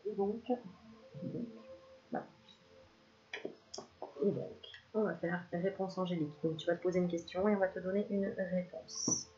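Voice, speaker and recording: A woman giving a casual spiritual card reading to the viewer, chatty and quick to laugh, self-filmed at home. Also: lowish voice, fairly even intonation, dark tone. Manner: chatty, laughs often, addresses viewer familiarly. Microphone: self-filmed camera. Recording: slightly dull lo-fi sound, faint hiss.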